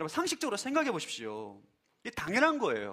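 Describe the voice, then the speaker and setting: Raised and projected, a man's extremely high voice carries a bright, sharp tone. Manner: preaching, explaining.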